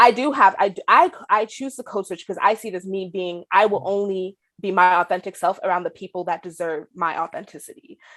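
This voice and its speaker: A woman's medium-pitched voice with an American accent, fairly quick with hardly any pauses, ordinary pitch variation and big swings in loudness. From Maryland, Baltimore. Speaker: podcast co-host, educator working with students. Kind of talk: casual podcast discussion.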